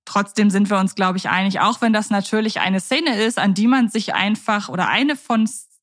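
A woman co-hosting a podcast, talking in a relaxed, thoughtful way and often correcting herself as she goes. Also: mid-range voice. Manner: thoughtful, self-correcting, measured. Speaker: podcast co-host. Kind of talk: casual chat about radio plays.

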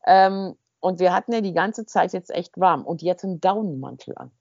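A woman with a husky voice and a mid pitch tells a story in a relaxed chat, acting out the lines of each person. Her voice sounds close and dry, with a slightly dull, lo-fi tone. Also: fairly quick, no echo. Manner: lively, animated storytelling with quoted dialogue. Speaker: podcast co-host.

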